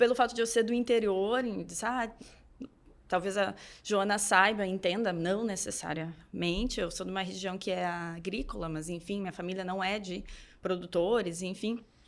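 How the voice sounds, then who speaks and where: This woman's voice sits at a medium pitch with fairly even intonation. The recording is very clean, with a silent background. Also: moderate pace. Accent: southern Brazilian. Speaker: journalist and agricultural economics researcher. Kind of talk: interview.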